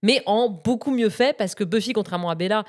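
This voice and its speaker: A woman's voice: mid-range voice, fairly quick, darkish tone. A young woman hosting a casual film podcast, bubbly and chatty, laughing often as she talks. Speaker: podcast host.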